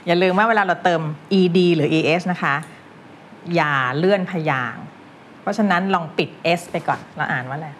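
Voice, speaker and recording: A woman from Thailand teaching pronunciation, coaching students word by word in a lively, teasing, corrective way. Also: fairly low pitch, normal speed, slight background noise.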